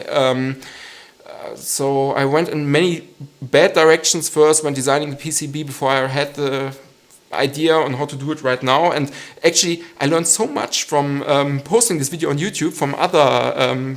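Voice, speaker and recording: A man in his thirties from western Germany with a German accent, hosting a casual live stream Q&A, hesitant with many ums and frequent chuckles. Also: on the high side.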